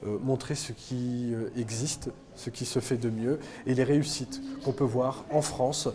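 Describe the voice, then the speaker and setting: A man's voice: medium pitch, steady tone, unhurried, crowd noise. A man being interviewed about his documentary, talking hesitantly with many fillers. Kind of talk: interview answers.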